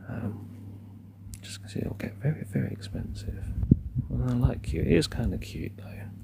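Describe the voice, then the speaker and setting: The speaker whispers at a moderate pace and stops often for long pauses. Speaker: husky owner and live streamer. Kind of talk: casual live stream chat. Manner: whispering.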